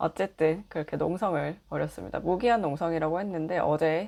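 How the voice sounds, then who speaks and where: Recorded very cleanly against a silent background, a woman speaks at a fairly low pitch with vocal fry and ordinary pitch variation. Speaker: independent media commentator. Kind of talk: political commentary.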